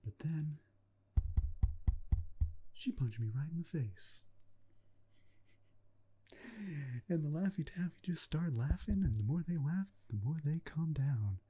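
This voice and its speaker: This ASMR roleplay features a man as an earnest, kind-hearted video game repairman, speaking softly, folksy and unhurried, near the microphone and slipping toward a whisper. His voice is on the high side and expressive, with slight background noise, as he tells stories earnestly.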